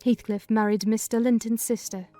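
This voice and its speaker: A woman's voice: on the high side, fairly even intonation, moderate pace, mellow, faint music behind, close to an everyday voice. A woman reading a kindly, talkative older housekeeper in a dramatized audiobook. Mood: chatty. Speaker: narrator voicing housekeeper.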